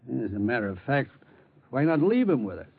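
An actor playing a calm, kindly fight trainer in a 1950s radio drama, with a soothing, fatherly manner and a husky voice. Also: mid-range voice, a little fast. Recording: tinny old radio broadcast.

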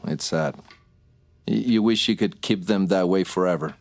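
An actor playing a stern police detective who questions firmly and measuredly, then turns accusing. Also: male voice, sits low, moderate pace. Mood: gentle. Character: stern hard-pressing male detective.

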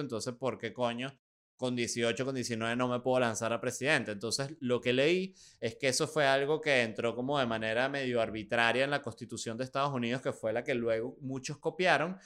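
A young Venezuelan man hosts a podcast in a relaxed, conversational way, slipping in sarcastic jokes and quick asides. His voice is smooth and resonant, pitched in the middle for a man. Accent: Venezuelan Spanish. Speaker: podcast host. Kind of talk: casual commentary.

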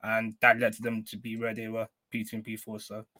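A man on a podcast panel talks through his view in a calm, measured way. His voice stays flat and even, and the recording is dry and close. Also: fairly low pitch, no room sound. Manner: measured, analytical. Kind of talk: casual chat.

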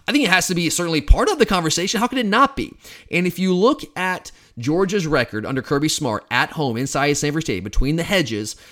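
Male podcast host, 30s, fast and slightly high, emphatic and excitable. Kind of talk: casual sports podcast monologue.

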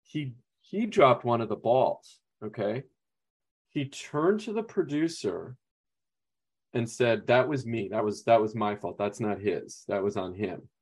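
A man's voice: mid-range voice, animated, unhurried, a little mellow, slightly rough. A man co-hosting a youth basketball podcast, telling stories casually and rambling, with fillers and quoted asides. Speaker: podcast co-host, basketball coach. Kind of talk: casual storytelling chat.

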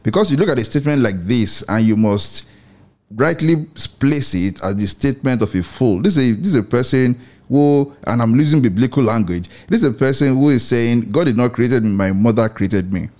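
A man in middle age hosts a Christian radio program with an earnest, measured delivery. He often restates a phrase before going on. His voice sits at an ordinary pitch for a man. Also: lively intonation, a little mellow. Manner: measured, earnest, repeats and rephrases words. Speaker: radio show host.

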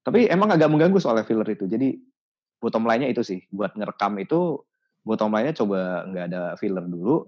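A man in a casual podcast chat, explaining his advice thoughtfully with many pauses and restarts. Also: fairly low pitch, very animated, darkish tone, husky, lo-fi sound. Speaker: podcast guest.

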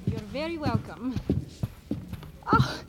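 Courteous, higher-pitched woman receptionist. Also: expressive, slow pace, background noise. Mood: polite. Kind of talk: audio drama acting.

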